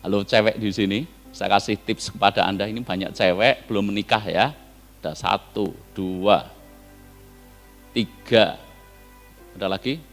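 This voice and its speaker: A man preaching a sermon as pastor, animated and questioning the congregation directly. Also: lowish voice, measured pace, gravelly, pauses often. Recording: reverberant hall with faint music.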